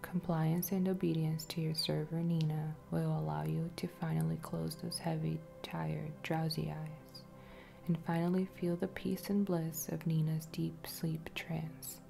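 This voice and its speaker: Waitress hypnotist, played by a woman: coaxing ASMR roleplay, soft mellow breathy delivery, evenly pitched, light music behind. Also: flat delivery, exaggerated voice. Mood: hypnotic, drowsy. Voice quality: soft, breathy, often whispery. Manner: slow, repetitive, soothing, coaxing. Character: friendly waitress turned soothing, commanding hypnotist.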